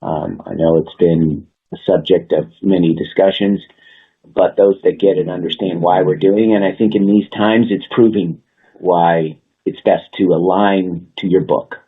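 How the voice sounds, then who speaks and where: A man with a very low, somewhat husky voice gives prepared executive remarks. He is measured and businesslike, making short, emphatic statements. The sound is thin and muffled, like a conference phone line. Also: steady tone. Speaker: company executive. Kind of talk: prepared earnings call remarks. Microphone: conference call line.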